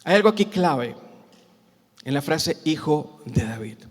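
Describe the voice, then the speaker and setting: A man's voice: on the high side, lively intonation, a little slow. A man preaching a Sunday sermon as pastor with a Costa Rican Spanish accent, asking the congregation questions and acting out the cries of the people in the story. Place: church hall. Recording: long hall reverb.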